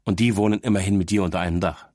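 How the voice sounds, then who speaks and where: A man's voice: low-pitched, fairly even intonation, rapid-fire, mellow, no room sound, clean studio sound. A man narrating an audiobook in the first person, wry and exasperated.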